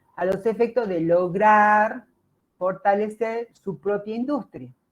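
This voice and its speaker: This is a normal speaking voice from a woman at medium pitch. Her pitch variation is ordinary. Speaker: professor. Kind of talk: lecture.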